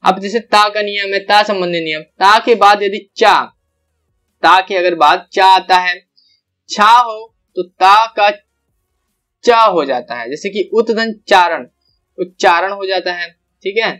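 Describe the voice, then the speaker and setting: A young male teacher with a high voice talks through a grammar lesson from his computer. He works step by step, repeats each example and stretches out the syllables. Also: slow pace, pushed and bright, soft background music.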